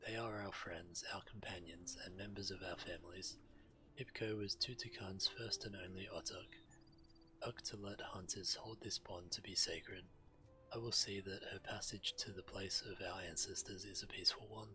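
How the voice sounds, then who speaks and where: A man's voice: deep voice, fairly even intonation, normal speed, lightly acted, poor audio. A man reading solemn fantasy quest dialogue of tribal villagers aloud on a game stream.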